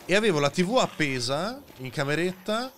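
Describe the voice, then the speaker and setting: A male streamer chatting casually while playing a game, relaxed and given to casual swearing. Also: fairly high pitch, moderate pace, background noise. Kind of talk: casual gaming chat.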